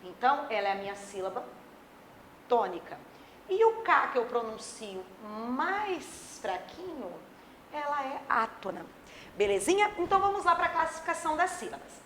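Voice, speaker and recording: Lively teacher woman, animated pitch. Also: a little fast, slight background noise. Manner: plays imagined pupils' questions. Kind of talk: children's grammar lesson.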